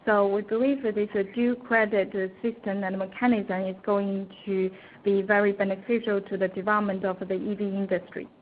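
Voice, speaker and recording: A woman interpreting on an earnings call, speaking formally and haltingly, phrase by phrase. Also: mid-range voice, level tone. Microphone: conference call line. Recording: tinny, noisy conference phone line.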